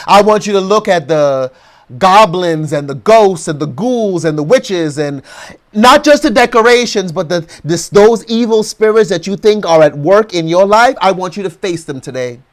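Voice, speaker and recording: An American man preaching a motivational sermon, leading the congregation through slow, emphatic affirmations. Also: sits high, animated. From United States.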